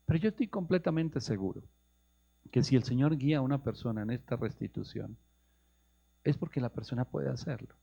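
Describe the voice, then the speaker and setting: Gravelly Colombian pastor preaching. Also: male voice, animated, fairly quick, warm tone. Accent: Colombian Spanish. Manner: rising to high emphatic questions, addresses listeners as brother. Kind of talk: sermon. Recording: muffled lo-fi radio broadcast.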